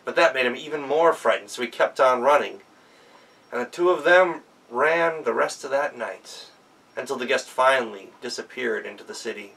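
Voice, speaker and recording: A man telling a folktale as a storyteller, expressive and with dramatic emphasis. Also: mid-range voice, moderate pace, creaky, far from the mic, poor audio. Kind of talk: live oral folktale narration.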